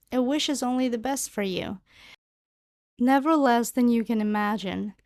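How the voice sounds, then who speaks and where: A woman's voice: fairly high pitch, no room sound, clean studio sound. A woman delivering a channeled spiritual monologue in formal, solemn phrasing, speaking as a spiritual guide.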